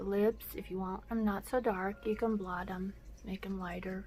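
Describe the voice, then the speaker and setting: A woman speaks with music in the background. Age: 60s. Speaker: beauty vlogger. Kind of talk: makeup tutorial. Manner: casual, chatty.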